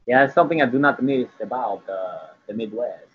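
A man playing a laid-back, crude vampire cat count in an improvised comedy interview, rambling in deadpan slang. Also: medium pitch, a little fast, natural voice. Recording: tinny phone-like line with noise.

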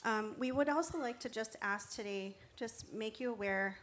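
A woman's voice: on the high side, normal speed, a bit bright, slight background noise. A woman preaching in a conversational style, earnest and instructive as she encourages her listeners. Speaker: preacher giving testimony. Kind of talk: conversational sermon.

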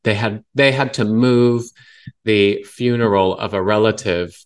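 A man's voice: fairly low pitch, unhurried, clean tone. A man hosting a legal podcast, talking in a thoughtful, hesitant way that trails off and restarts. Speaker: podcast host. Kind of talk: casual professional chat.

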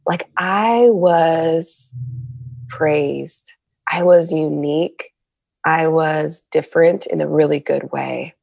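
A middle-aged woman from San Diego, talking as a podcast guest in a low, steady voice. She speaks candidly and reflectively, often pausing and restarting as she searches for her words. The recording is close and dry, with no room sound. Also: vocal fry, dry recording. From San Diego, United States. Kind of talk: reflective conversational interview.

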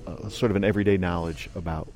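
A man hosting an interview podcast, asking questions in a measured, conversational way. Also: sits low, fairly even intonation, darkish tone. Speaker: radio podcast host. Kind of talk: interviewing a guest.

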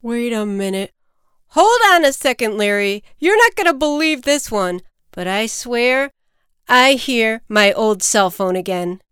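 Lady doing an excitable guy on a cell phone in a kids story, insistent, clean close sound. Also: mid-range voice, normal speed, few pauses, clear, resonant tone, no room sound, close to an everyday voice. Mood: amazed. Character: excitable, insistent human man talking on his cell phone. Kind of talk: children's storybook character voice.

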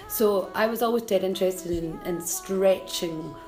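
A woman's voice: mid-range voice, a little slow, soft background music. A young Scottish woman, a folk fiddler and singer, talking frankly in an interview with plenty of ums. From Scotland. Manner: frank, lively, frequent ums. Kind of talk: casual interview talk.

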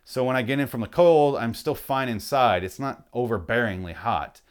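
A man from Michigan rants about coats, swearing freely and loudly exasperated. His voice is wearing out and turning hoarse, and his pitch sits squarely mid-range for a man. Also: normal speed. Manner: loud exasperated swearing, mock outrage. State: voice going hoarse. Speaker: vlogger ranting on camera. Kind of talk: profane comedic rant.

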